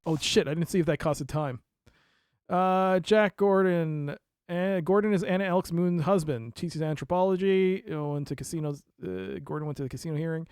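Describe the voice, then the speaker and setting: Male streamer, casual let's play commentary, animated, a touch high-pitched. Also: moderate pace, clear, resonant tone, no echo, studio quality. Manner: animated, reads notes aloud and laughs at the game.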